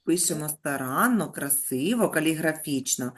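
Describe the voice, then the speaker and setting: Woman teacher leading an online lesson for small children, lively rising and falling voice, gentle praise. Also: sits low, moderate pace. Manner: patient, coaxing, praises with pet names. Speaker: primary school teacher.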